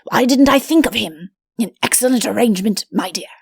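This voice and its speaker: A woman's voice: fairly high pitch, a little fast, gravelly, slightly rough, no room sound, clean studio sound. A woman voicing a middle-aged fairy-tale king in an audiobook, a doting father who blusters and rambles self-importantly. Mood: eager, bustling. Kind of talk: audiobook character voice.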